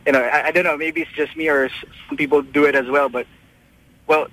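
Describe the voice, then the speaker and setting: A man's voice: a little high, steady tone, a little fast, fairly bright tone, rough recording. A man calling in to a radio show who speaks hesitantly, full of restarts. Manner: hesitant, many fillers and restarts. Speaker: caller. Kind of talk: phone-in chat.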